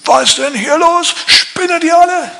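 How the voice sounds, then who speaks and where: A man's voice: very high-pitched, normal speed, vocal fry, voice pushed up, heavily acted. Man putting on a boastful offended general. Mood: furious. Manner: indignant, boastful shouting. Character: proud, offended male army general.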